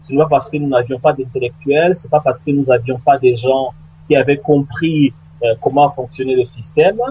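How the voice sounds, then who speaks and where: A man speaking as a guest in a radio debate, earnest and hesitant, with many pauses and fillers. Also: mid-range voice, steady tone. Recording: dull lo-fi radio line with faint noise.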